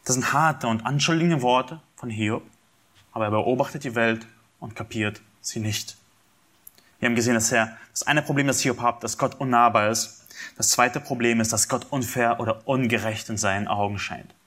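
A man's voice: mid-range voice, moderate pace, fairly bright tone. A man preaching an expository sermon, explaining a passage verse by verse and speaking straight to his congregation in an earnest tone.

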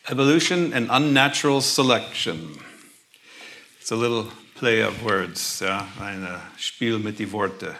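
A man with an American accent giving a personal faith testimony, halting and searching for words, sometimes slipping into English. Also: fairly low pitch, sharp tone. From grew up in the USA. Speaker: guest speaker.

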